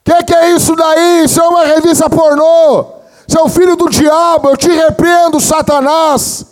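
A man putting on a shrill, outraged young bank clerk. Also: flat delivery, unhurried. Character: indignant young male bank trainee, loudly self-righteous.

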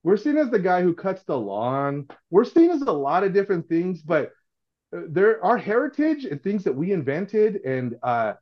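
A man's voice: sits high, big pitch swings, normal speed. A middle-aged man, a podcast guest talking casually and earnestly, often restarting his sentences. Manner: earnest, rambling, with frequent restarts. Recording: dull, lo-fi sound.

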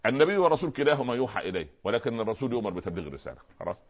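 A man with an Egyptian Arabic accent, a preacher explaining religious words in a lively talk-show conversation, often asking rhetorical questions. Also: mid-range voice, racing, highs cut off. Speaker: Islamic preacher, guest scholar.

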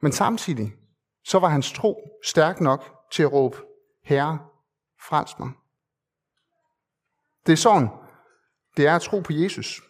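A man's voice: a little high, lively intonation, slightly rough. A man preaching a sermon in an earnest, conversational way, with hesitant fillers and repeated phrases for emphasis.

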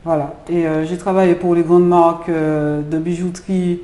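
A woman's voice: lowish voice, little pitch movement, moderate pace, warm tone. A woman from Martinique, a jewelry designer, answering interview questions in a hesitant way with many filler sounds. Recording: roomy echo.

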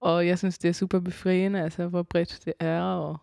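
A woman, a composer and vocalist, talking as a guest in a casual radio interview and often pausing to search for words. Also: on the low side, level tone, vocal fry, a little mellow, no room sound, studio quality. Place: concert hall.

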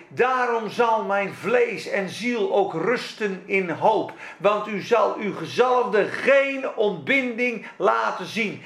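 Gravelly, high-pitched male preacher, fervent, swinging loud and soft. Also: roomy sound, noisy background. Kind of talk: sermon.

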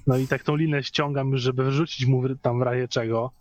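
A man's voice: mid-range voice, flat delivery, brisk, darkish tone. A man playing a tabletop role-playing game, describing his character's actions hesitantly and with many filler words. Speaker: player. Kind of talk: casual in-character play.

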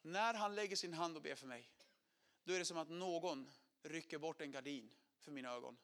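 Speaking on the high side, a middle-aged man animatedly tells of his conversion in a sermon testimony, dramatizing quotes and alternating loud passages with hushed ones.

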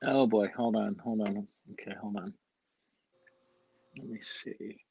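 A man's voice: on the low side, big pitch swings, slow, creaky, breathy edge, no room sound. A man hosting an interview over a bad internet connection that keeps breaking up. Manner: checking the line, asking to be heard. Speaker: interview host. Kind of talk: casual interview chat. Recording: dull distant broken-up internet call.

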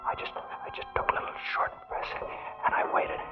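A man plays a haunted ex-prisoner veteran who tells his own story in clipped, hard-boiled first person, his voice low and steady. The sound is a dull old radio broadcast, with music swelling behind him. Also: moderate pace, lightly acted. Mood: breathless whisper. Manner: hard-boiled first-person narration, shifting to breathless whispers. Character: shell-shocked former POW veteran man, haunted and tense. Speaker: lead actor and narrator. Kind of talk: 1940s radio drama acting.

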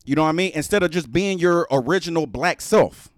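A man's voice: on the high side, brisk. A middle-aged man with an African American accent chatting casually, speaking emphatically with repetition and swearing. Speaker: panelist in a group discussion. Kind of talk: casual chat.

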